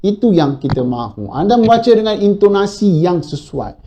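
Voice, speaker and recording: A man's voice: sits high, very animated, moderate pace, mellow, slight background noise. A man with a Malaysian accent teaching a primary school class online, encouraging the pupils and often repeating his praise.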